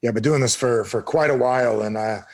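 A man's voice: medium pitch, fast talker. A man from New Jersey talking casually and emphatically as an interview guest and coach. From New Jersey, United States.

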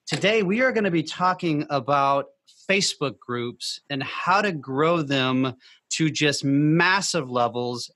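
A man hosting a podcast, effusive and hyped, talking in casual slang. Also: medium pitch. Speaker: podcast host. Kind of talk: enthusiastic interview hosting.

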